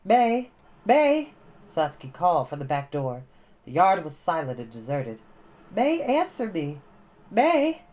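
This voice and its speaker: Distraught schoolgirl for a storybook, reader's put-on voice: higher, sharp, yelling. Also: fairly quick, natural voice. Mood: frantic calling. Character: upset older sister, a girl, fierce and frantic. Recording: slightly dull lo-fi recording.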